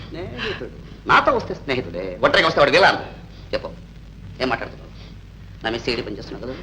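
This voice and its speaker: An actor playing a jealous, bullying husband in 1960s film melodrama, sneering and quick to shout. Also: male voice, a little high, huge pitch swings, heavily acted, rough recording. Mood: taunting. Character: bullying, jealous husband who taunts his wife. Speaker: film villain.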